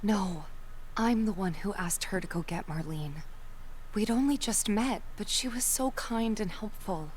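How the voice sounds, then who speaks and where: Woman acting young game girl, kind n earnest, soft, bit of noise behind. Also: mid-range voice, unhurried, natural voice. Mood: remorseful.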